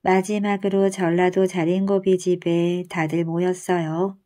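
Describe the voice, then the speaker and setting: Mellow woman reading a bedtime folktale. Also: fairly low pitch, flat delivery, unhurried. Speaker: storyteller. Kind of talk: bedtime storybook narration.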